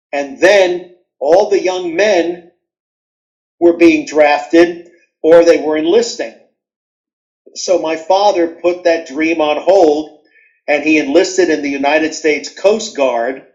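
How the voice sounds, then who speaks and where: A man's voice: on the high side, lo-fi sound. A man from New York with a New York accent, telling stories from his childhood as an interview guest and acting out scenes as he goes. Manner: animated storyteller, acts out scenes. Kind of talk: storytelling interview answers.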